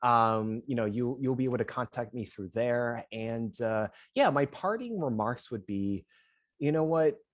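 With an American accent, a man speaks at a medium pitch and a fairly slow pace, with ordinary pitch variation against a quiet background. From US, New Jersey. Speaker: physician and podcast host. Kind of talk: interview. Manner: many fillers, hesitant.

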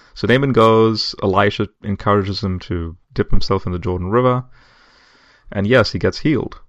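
In an Australian accent, the speaker goes at a moderate pace with ordinary pitch variation. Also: man, fairly low pitch for a man. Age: 30s. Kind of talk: casual interview on theology.

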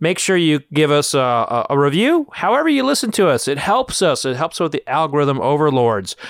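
With an unremarkable speaking voice, a man talks at a moderate pace and fairly high pitch, using lively intonation, very even loudness and hardly any pauses. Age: 40s. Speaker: podcast host and whiskey writer. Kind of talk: casual chat and tasting interview.

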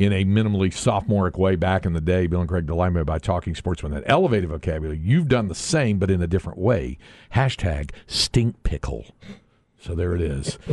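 Talking at a very fast pace, a man with a very deep, low pitch uses lively intonation over a quiet background. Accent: Texan. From Central Texas. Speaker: sports radio host. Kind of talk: casual chat.

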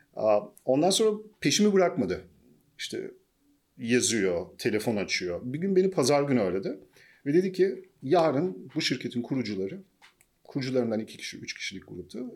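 A man talks at a moderate pace and medium pitch, with very wide pitch swings. His loudness also swings a lot. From Germany (Nuremberg area). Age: 40s. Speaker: startup CEO. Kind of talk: interview.

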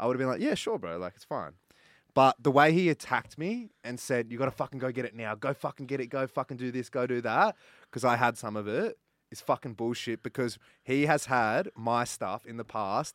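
Dry and close with no echo, this very clean recording with a silent background captures a man at medium pitch in an ordinary speaking voice. He talks at a fairly quick pace, his loudness swinging widely while his pitch varies in an ordinary way. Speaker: guest. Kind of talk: casual chat.

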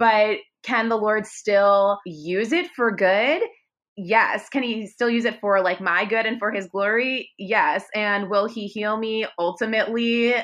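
A woman with an ordinary speaking voice talks at a fairly slow pace in a fairly high pitch, with ordinary pitch variation. The background is quiet. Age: 30s. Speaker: teacher. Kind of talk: casual chat.

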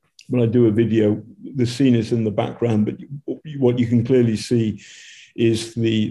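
A man with a British accent speaks at medium pitch and a moderate pace. His tone is dark and mellow. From UK. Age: old. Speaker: journalist. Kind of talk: interview. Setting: remote call from a war zone.

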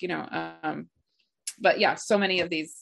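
A woman's fairly low voice with vocal fry at a moderate pace. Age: 40s. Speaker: spiritual teacher and symposium organizer. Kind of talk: casual interview conversation.

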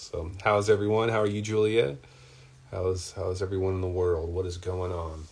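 Audible room echo surrounds a man whose very deep, low voice keeps a fairly even intonation. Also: moderate pace. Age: 40s. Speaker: podcast host. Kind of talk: casual chat.

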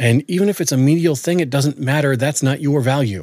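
A man with an ordinary speaking voice, fairly high pitch, ordinary pitch variation and a fairly quick pace, in a dry, close sound with no echo. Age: 40s. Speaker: podcast co-host, single dad. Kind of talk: casual chat.

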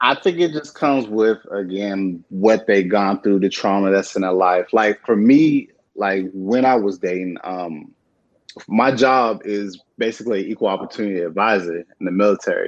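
A man speaks in an ordinary speaking voice at a moderate pace. His pitch is fairly low with ordinary variation. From San Diego, California. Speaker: aspiring model. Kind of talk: casual chat.

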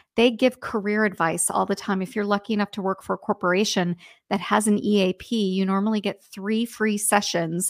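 A woman's plain, everyday voice at medium pitch, fairly quick, with fairly even intonation, dry close sound with no echo, and a very clean recording over a silent background. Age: 40s. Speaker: author and HR speaker. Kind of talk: casual chat. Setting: live video stream.

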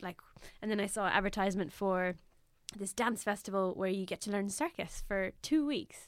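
In an Irish accent, a woman speaks at a medium pitch on a very clean recording with a silent background. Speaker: circus artist and aerial teacher. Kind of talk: casual interview chat. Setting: studio.

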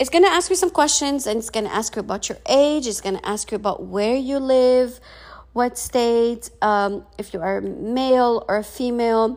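With a Moroccan accent, a high-pitched woman speaks in a warm tone with lively intonation. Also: moderate pace, very clean recording, silent background. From Morocco. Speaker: podcast host, former teacher. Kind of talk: solo monologue, casual self-help talk. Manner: warm, chatty with frequent fillers.

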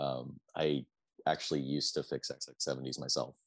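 Recorded dry and close with no echo, a man talks fairly slowly. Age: 20s. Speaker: camera repair technician. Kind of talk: interview. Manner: halting, many fillers and repeats.

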